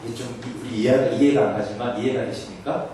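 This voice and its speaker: A man's voice: medium pitch, fast, mellow, a little hiss or hum. A man preaching a sermon to a congregation in a church hall. He often asks the listeners questions and acts out Jesus's words as quotes. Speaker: pastor. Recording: very echoey room, voice heard from a distance.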